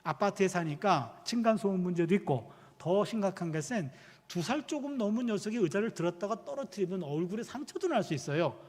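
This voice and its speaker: This man in his fifties, both pastor and professor, tells personal stories in his sermon and animatedly acts out their dialogue. He speaks a little fast in a voice that sits high, and the recording carries the long reverb of the church sanctuary where he preaches.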